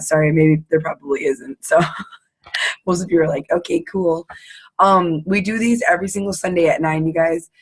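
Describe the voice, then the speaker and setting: A woman leading her team over a video call, her voice hoarse and going. She talks in an even, level tone and repeats her points to push them home. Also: on the low side. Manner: upbeat, repeats for emphasis. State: losing her voice, sore throat. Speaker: team leader. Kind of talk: casual motivational team call.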